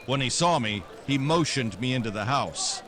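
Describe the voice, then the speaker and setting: An actor playing a hard-boiled private detective in a 1940s-style radio drama, terse, wry and world-weary. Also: male voice, mid-range voice, lively intonation, normal speed, crowd noise, close to an everyday voice. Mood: weary, brooding. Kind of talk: 1940s noir radio drama narration and dialogue.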